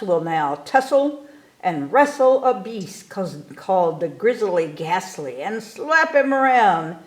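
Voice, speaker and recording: A woman reading a rhyming picture book aloud to children in an expressive, theatrical way, stretching key words for emphasis. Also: medium pitch. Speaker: story time reader.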